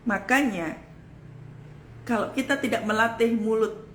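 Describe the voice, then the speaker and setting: A woman pastor giving an earnest, emphatic sermon, calling her listeners "saudara" and swinging between loud exclamations and soft whispers. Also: fairly high pitch, unhurried. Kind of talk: live-streamed sermon. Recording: echoey room with faint ambient noise.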